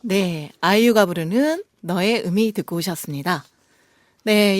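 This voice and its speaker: A woman's voice: medium pitch, a little mellow, no echo, clean studio sound. A woman co-hosting a radio show, reading poems expressively and chatting politely and reflectively about books. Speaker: radio co-host. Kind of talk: scripted poem reading and relaxed book chat.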